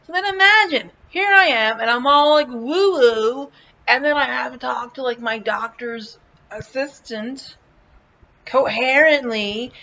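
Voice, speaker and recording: High-voiced, playful woman rambling in casual vlog. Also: bright, forceful tone, muffled recording. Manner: playful, goofy, giggly, swears freely; halting, repeats words while searching for them. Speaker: vlog host. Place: indoors, lying in a hospital bed with a fan running.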